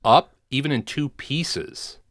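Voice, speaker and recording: A man's voice: medium pitch, takes it slowly, a bit bright, dry recording, clean studio sound. A man co-hosting a podcast, chatting casually with the others. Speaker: podcast co-host.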